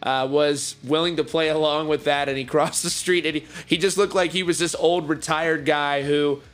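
A man's voice: on the high side, steady tone, normal speed, a bit bright. A man presenting music news as the host of a rock show, in an upbeat commentary style. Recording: music playing behind the voice.

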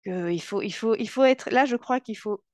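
A woman hosting a casual interview, friendly and quick to agree and laugh. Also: fairly high pitch, darkish tone, dry recording, studio quality. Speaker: host, interviewer.

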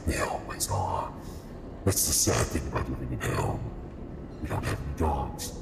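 A man's voice: rumbling low, big pitch swings, normal speed, gravelly, roomy sound, noisy background, heavily acted. An actor playing a crude, teasing, irreverent man in an audio drama, rambling along playfully. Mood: musing.

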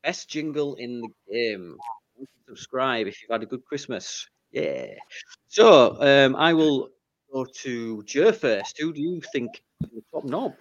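A man's voice: medium pitch, expressive, unhurried, muffled recording. A man hosting a casual football podcast, joking as he presents each segment. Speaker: podcast host.

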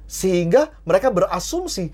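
Animated man coaching in casual chat. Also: high-pitched, moderate pace. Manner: animated, acts out quoted voices, laughs often. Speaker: trainer and character coach, podcast guest. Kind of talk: casual podcast conversation.

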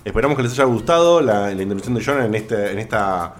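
Excitable Argentine podcast host. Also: male voice, on the low side, fast. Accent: Argentine Spanish. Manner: excitable, wraps up segments like a host. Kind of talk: casual gaming podcast chat.

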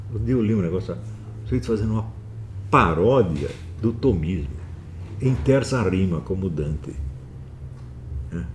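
A man with a very low, dark voice gives a lecture to his students. He talks emphatically, scolds at times and keeps checking in with tag questions. A faint hiss sits under the recording. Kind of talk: philosophy lecture.

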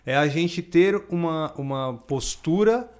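A young man with a Brazilian Portuguese accent co-hosting a casual podcast, talking quickly and restarting his sentences. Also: on the high side, lively intonation. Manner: quick, restarts and trails off mid-thought. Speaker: podcast co-host.

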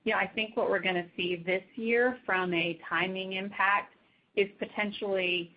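A woman executive answering questions on an earnings call in a measured, matter-of-fact manner. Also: mid-range voice, steady tone. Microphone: conference call. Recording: dull, lo-fi conference call line.

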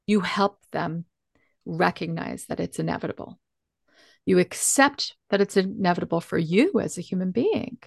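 A woman's voice: lowish voice, vocal fry, no echo, clean studio sound. A woman speaking candidly and emotionally in a conversation, earnest and emphatic.

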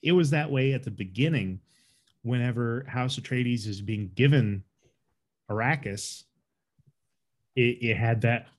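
A man's voice: medium pitch, measured pace, long pauses. A man co-hosting a podcast, talking casually about a movie, with frequent restarts and a rambling, opinionated way of talking. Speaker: podcast co-host. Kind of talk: casual movie review chat.

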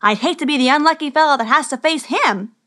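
A cocky young wizard sidekick read by a woman in a fantasy storybook. He sounds raised in pitch, breezy and pleased with himself, yet loyal. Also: quick pace, fairly bright tone. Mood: encouraging.

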